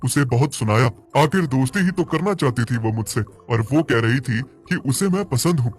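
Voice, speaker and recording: A man voicing a jealous, grumpy black bull with a soft heart in a cartoon story, speaking in an emphatic, indignant manner. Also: medium pitch, expressive, moderate pace, husky. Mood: regretful. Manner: indignant, scolding, emphatic questions.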